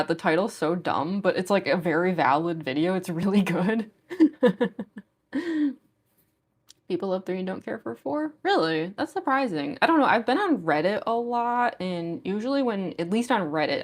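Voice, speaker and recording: This young livestream artist talks casually and rambles with her viewers, leaning on filler words. Her voice sits on the low side, has a gruff, smoker-like quality, and is growing hoarse as it fades.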